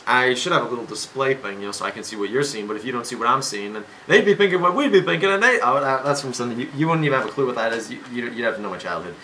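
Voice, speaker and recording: A young man of eighteen rambles to his camera at home, jumping between thoughts and tripping over restarts. His voice is bright and sharp, and his pitch swings widely as he talks. A faint hiss of room noise sits behind him. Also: lively intonation, racing, hardly any pauses, low-quality recording. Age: young adult. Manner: rambling and self-interrupting, with many fillers and restarts; jokey and self-mocking. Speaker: vlogger. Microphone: camera mic.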